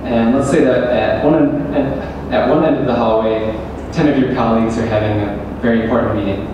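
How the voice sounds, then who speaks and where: A young adult man, a student debater, posing measured leading questions with hesitant fillers. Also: mid-range voice, steady tone, muffled recording. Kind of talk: formal debate, cross-examination. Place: large echoey university hall. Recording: echoey hall, distant mic, background noise.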